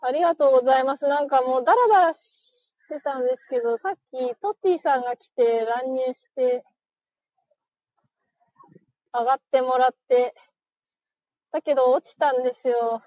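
A woman's voice: sits high, fairly quick, no echo, muffled recording. A woman hosting a casual live stream, chatting, laughing and reading listener comments aloud as she thanks each viewer. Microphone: phone.

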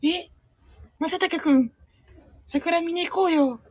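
A man's voice: very high voice, slow, dry recording, voice pushed up. A man voicing an eager, sweet young woman in an improvised amateur radio drama.

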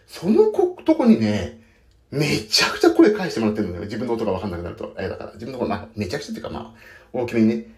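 A man's voice: mid-range voice, wildly swooping pitch, fast. A man, a pianist, chatting casually about his work while soaking his feet in a bath, telling stories with self-mocking asides. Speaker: pianist and audio podcaster. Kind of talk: casual rambling chat. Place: bathroom, in a foot bath. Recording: echoey bathroom acoustics.

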